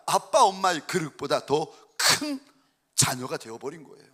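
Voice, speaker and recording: A man's voice: on the high side, sharp tone. A male senior pastor preaching a sermon, telling a family story and shifting between narration and quoted voices. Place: church sanctuary.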